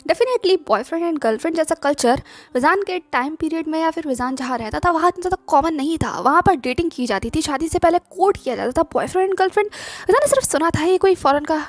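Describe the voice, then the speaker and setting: Woman narrator for a serialized audiobook; high, quick, chatty delivery. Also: lively intonation, no room sound. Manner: brisk, conversational, mixing in English words. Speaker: author and narrator. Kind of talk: audiobook narration of a romance story.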